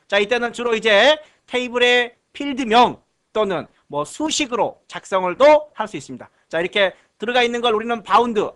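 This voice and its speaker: A man's voice: extremely high pitch, fairly bright tone. A man from Korea teaching an exam-prep lecture. He asks himself rhetorical questions, answers them, and repeats key terms for emphasis. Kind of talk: recorded lecture walking through exam questions.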